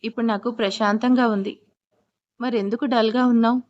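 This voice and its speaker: A woman's voice: on the high side, fairly even intonation, brisk, a little mellow, dull audio, natural voice. A woman voicing a fond, doting middle-aged mother in an audio story, speaking in an affectionate, coaxing way.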